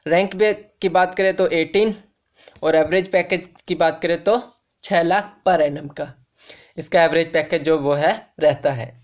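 A man's voice: on the high side, fairly even intonation, unhurried. A man explaining, repeating every point. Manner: repetitive, restates facts, addresses viewers as friends. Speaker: education YouTuber. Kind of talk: informal explainer to students.

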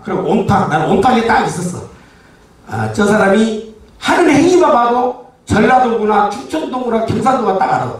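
A man performing live stage comedy, joking crudely with the audience, laughing and shouting at the crowd and the crew. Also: high voice. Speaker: pumba street-comedy performer. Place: concert hall stage. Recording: very echoey hall, distant and faintly noisy.

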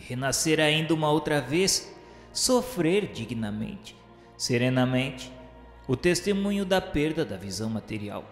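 A man's voice: medium pitch, close to an everyday voice. A Brazilian man playing the remorseful spirit of a suicide, narrating his suffering in solemn, formal radio-novel declamation. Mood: resolute, solemn. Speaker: narrator character in a radio drama. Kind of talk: dramatic first-person narration of a religious radio novel. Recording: echoey long reverb with music behind. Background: music.

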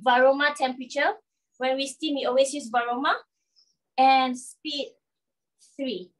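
A woman's voice: sits high, fairly even intonation, unhurried. A woman in her thirties with a Malaysian accent gives an informal, instructional cooking demonstration, often checking in with "okay?" and "all right?". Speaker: cooking show presenter demonstrating a kitchen appliance. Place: covered outdoor patio beside a garden. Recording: voice picked up from a distance.

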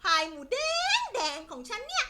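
Shrill cackling pie-selling witch, very bright, swooping, for a kids' tale. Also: huge pitch swings, normal speed, slight background noise, exaggerated voice. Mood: defiant. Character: frizzy-haired witch selling junk-food pies. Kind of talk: children's storybook voice acting.

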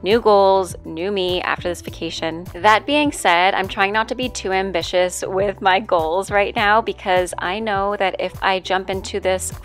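A woman's voice: mid-range voice, a little slow, hardly any pauses. A woman giving a casual, rambling vlogger voiceover with self-joking asides. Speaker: vlogger, ballet dancer and fitness teacher. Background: background music.

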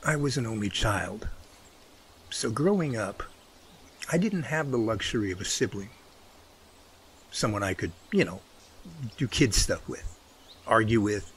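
A man acting an earnest, animated protective brother. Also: lowish voice, a little hiss or hum, close to an everyday voice. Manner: earnest, pleading, folksy. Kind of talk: radio drama dialogue.

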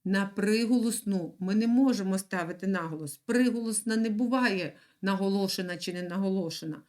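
A woman teaching young children in an online lesson, speaking slowly and clearly and repeating words for them to write down. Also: mid-range voice, a little mellow. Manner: patient, slow and clear, repeats words for dictation. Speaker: primary school teacher.

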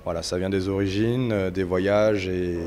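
A man's voice: deep voice, steady tone, moderate pace, a little mellow, a little hiss or hum. A man, a chef, answering interview questions modestly, with many hesitations.

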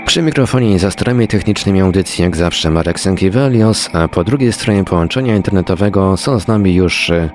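A man's voice: deep voice, brisk, few pauses, faint music behind. A man hosting a live radio programme, giving an introduction and announcements as presenter. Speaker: radio host and technical producer.

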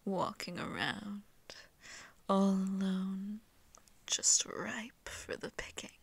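A woman voicing a seductive, haughty vampire mistress in a slow, teasing, breathy whisper for an ASMR roleplay, close to the mic. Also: mid-range voice, no echo. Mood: mocking, seductive. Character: seductive, haughty, hungry female vampire mistress toying with prey. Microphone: close microphone.

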